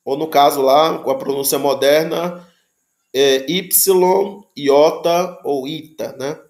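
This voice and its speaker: A man's voice: fairly high pitch, fairly even intonation, takes it slowly, darkish tone, reverberant. A man teaching Greek pronunciation in a lecture, patiently repeating sounds and checking that students follow.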